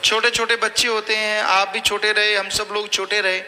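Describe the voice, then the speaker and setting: A spiritual preacher delivers a sermon, urging his listeners on and warning them over and over. His voice is high, pushed, and bright, with little pitch movement and a moderate pace. The recording has a long hall reverb and faint noise.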